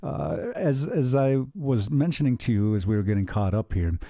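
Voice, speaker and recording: A man's voice: mid-range voice, expressive, normal speed, dark tone, dry recording, clean studio sound. A middle-aged man hosting a radio show, earnest and enthusiastic, talking in long rambling turns. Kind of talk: conversational radio interview.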